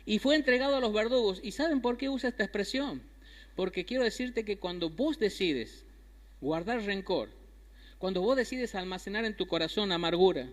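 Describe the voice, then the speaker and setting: A man's voice: high voice, fairly bright tone. A man preaching a sermon, emphatic, repeating key phrases and asking his listeners questions. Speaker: pastor. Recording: long hall reverb.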